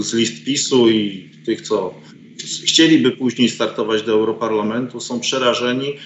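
A man's voice: on the low side, a little hiss or hum. Middle-aged man, professor guest, hesitant fillers, indignant, echoey room, muffled video call audio. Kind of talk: political interview over video call. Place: home study with bookshelves. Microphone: video call webcam. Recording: roomy, dull lo-fi call audio.

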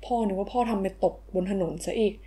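A woman's voice: mid-range voice, fairly even intonation, quick pace, dark tone, slightly rough, voice pushed down, close to an everyday voice. A woman voicing a puzzled father in a toy story.

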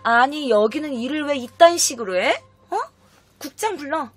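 Lady doing a nasty old mother-in-law, high and yelling, nags everyone. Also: completely flat delivery, normal speed, soft background music. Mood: furious. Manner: nagging, shouting complaints. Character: spiteful old mother-in-law, scolding and shrill.

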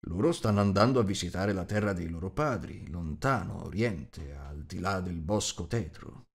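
A man voicing an old, patient wizard telling a tale in a measured, hesitant, diplomatic way. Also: sits low, expressive, vocal fry. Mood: wry. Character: old wise male wizard, patient storyteller.

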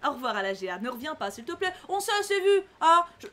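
A woman's voice: sits high, very animated, fast, pushed and bright. A woman playing a story game and reading it aloud, with crude, exasperated, teasing commentary. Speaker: let's-play streamer.

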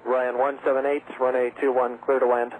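A man's voice: medium pitch, level tone, a little fast, poor audio. A man giving clipped instructions over radio as an air traffic controller.

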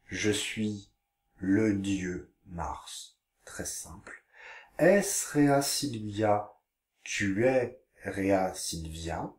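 A man teaching Latin online, reading Latin phrases slowly and carefully before translating them. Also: on the low side, darkish tone, roomy sound. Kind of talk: online language lesson.

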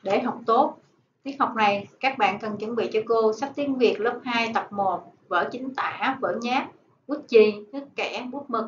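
Woman, primary teacher dictating to young pupils word by word; high voice, dull echoey recording. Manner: dictating, deliberate, enunciating word by word. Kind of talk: slow dictation-style lesson for children. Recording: echoey room, dull sound, faint noise.

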